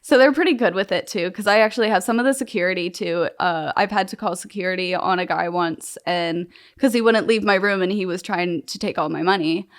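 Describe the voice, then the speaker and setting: A woman's voice: fairly low pitch, brisk, hardly any pauses. Young woman chatting with lots of "like"s. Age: young adult. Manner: chatty, loose, heavy use of "like" and "um". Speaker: interview guest. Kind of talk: casual interview talk.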